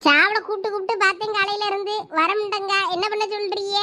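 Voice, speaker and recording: A woman playing a sharp-tongued village mother who nags and scolds. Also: very high-pitched, little pitch movement, quick pace. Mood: scolding. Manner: scolding, nagging. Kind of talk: comedy skit acting.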